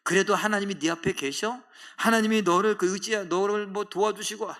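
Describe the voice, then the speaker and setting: A preacher doing a taunting Satan. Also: male voice, sits high, fairly even intonation, fairly quick, a bit bright, voice pushed up. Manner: needling, taunting questions. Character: Satan, taunting tempter, male, mocking.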